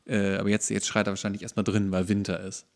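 A man's voice: lowish voice, little pitch movement, fast talker, vocal fry. A man in his thirties chatting casually as a podcast co-host. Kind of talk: casual chat.

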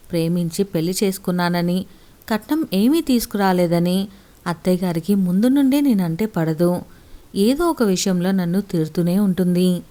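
A woman's voice: fairly low pitch, mellow, close to an everyday voice. A woman voicing a young wife who pleads emotionally with her husband in a storybook tale. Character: young wife, wronged and tearful.

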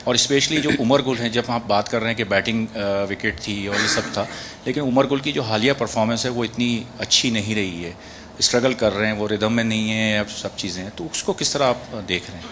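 A man's voice: on the low side, fairly quick, fairly bright tone, a little hiss or hum. A man, a reporter asking a long, pressing question at a press conference.

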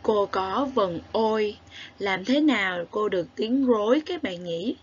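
A woman teacher with a southern Vietnamese accent addresses young children in a slow, patient recorded lesson. She draws out each sound as she spells, asks gentle questions, and praises the class. Her voice sits in a middle pitch, and the recording sounds slightly dull and muffled. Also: animated, husky. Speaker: primary school teacher.

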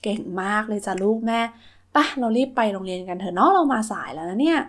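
A woman's voice: medium pitch, lively intonation, fast talker, lightly acted. Woman playing coaxing, reassuring toy-story mom. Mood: soothing, encouraging. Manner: coaxing, soothing, motherly. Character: caring, reassuring mother of a schoolgirl. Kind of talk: toy-play children's story acting.

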